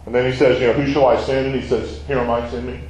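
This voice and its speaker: A man's voice: medium pitch, flat delivery, quick pace, darkish tone, roomy sound, rough recording. A man teaching a Bible study, talking in a conversational way and asking his listeners questions.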